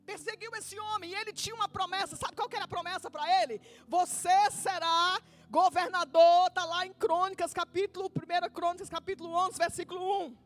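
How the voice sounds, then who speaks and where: A woman's voice: very high-pitched, steady tone, fast, hardly any pauses, a bit bright, soft background music. A woman pastor preaching a sermon, acting out Bible dialogue and asking the congregation to repeat after her.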